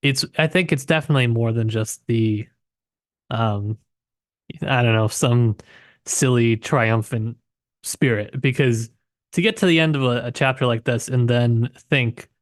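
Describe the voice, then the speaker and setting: Casting: man for literary podcast co-host. Medium pitch, reflective and self-qualifying, casual delivery, very little room sound. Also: measured pace, no room sound, clean studio sound.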